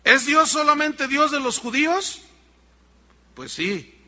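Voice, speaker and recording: A man's voice: extremely high pitch, animated, takes it slowly, bright, forceful tone. A man preaching a sermon to his congregation, pressing them with rhetorical questions. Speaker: pastor. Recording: long reverb of a large hall.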